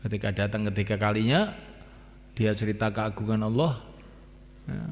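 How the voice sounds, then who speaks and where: A man with a lowish voice preaches to a gathering at a normal pace, repeating his points with emphasis and sometimes chanting lines from the call to prayer. The religious talk was recorded in a hall with long reverb and carries a slight hiss or hum.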